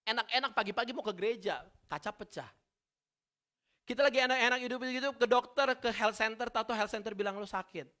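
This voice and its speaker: A man preaching a sermon in a church, telling stories with slang and bursts of shouted reenactment. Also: very high voice, fast talker. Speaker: pastor.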